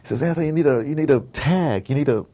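A man's voice: a little high, fast, warm tone, husky. A middle-aged or older man in casual conversation as an interview guest, emphatic and rambling with slangy turns of phrase. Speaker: interview guest, audio drama producer.

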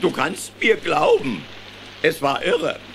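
An actor voicing a chatty, emphatic animal aboard the ark in a German children's audio drama. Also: male voice, fairly high pitch, wildly swooping pitch, slow, vocal fry, a bit bright, a little hiss or hum, heavily acted. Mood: amazed.

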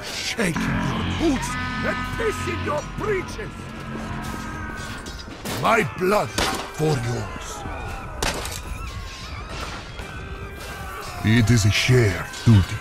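An actor playing a grizzled, fierce desert-empire soldier in a video game, bellowing bombastic war cries and taunts in a gritty, strained voice. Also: male voice, a little high, sing-song, takes it slowly, full character voice. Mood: grave. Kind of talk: shouted video game battle barks. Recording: game music behind.

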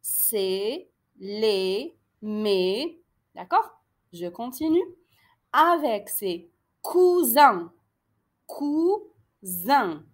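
Woman teacher slowly spelling out sounds. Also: a little high. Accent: Algerian Arabic. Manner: slow, drawn-out model pronunciations, repeating each sound. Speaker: French teacher. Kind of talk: reading lesson for beginners.

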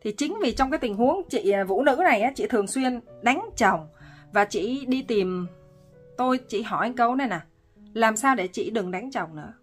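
A woman relationship counselor giving casual advice, talking with lively emphasis and frequent laughter. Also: on the high side, normal speed, slightly rough, faint music behind.

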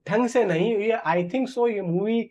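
A man's voice: high voice, measured pace, a little mellow. A man, giving informal film commentary to camera in an emphatic, conversational way and repeating phrases for stress. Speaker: film news vlogger. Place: small room at home, indoors. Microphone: clip-on lapel mic. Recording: slightly dull, muffled sound.

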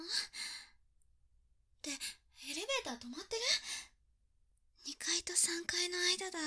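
A young woman playing a shy, kind, polite girl in an intimate ASMR roleplay, often slipping into breathy whispers. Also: very high voice, pushed and bright, heavily acted. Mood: startled, uneasy. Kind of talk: Japanese ASMR situation voice acting, intimate.

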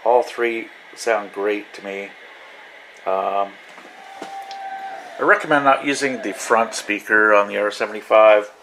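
A man talks casually through a hobby demonstration at a slow pace. He rambles a little, thinking aloud as he goes. It has the loose, informal feel of a home vlog. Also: on the low side, pushed and bright, slight background noise, low-quality recording. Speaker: radio hobbyist demonstrating receivers. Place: small indoor radio desk.

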